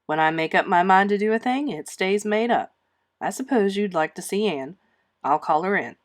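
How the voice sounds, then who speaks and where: A woman's voice: medium pitch, animated, normal speed, natural voice. A woman voicing a stern, resolute older spinster in a storybook, dry and matter-of-fact.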